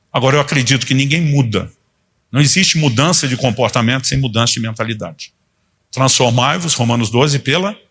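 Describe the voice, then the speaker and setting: A man's voice: medium pitch, a bit bright, husky. A man in his fifties, a pastor giving a conversational sermon and acting out quoted dialogue as he tells stories. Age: 50s.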